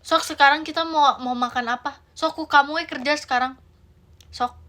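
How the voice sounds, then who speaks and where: Brief: woman playing a Sundanese-accented village mum, bright high voice, exasperated and preachy. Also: fairly even intonation. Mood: exasperated nagging. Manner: exasperated, preachy, drawn-out nagging. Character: indignant poor Sundanese village mother.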